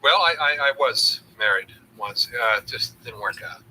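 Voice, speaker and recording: A man's voice: medium pitch, animated, moderate pace, poor audio. An actor playing a grumpy middle-aged man stuck babysitting kids, exasperated and blustering, stammering over his words in a sitcom. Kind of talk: sitcom acting. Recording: loud background noise in sitcom audio.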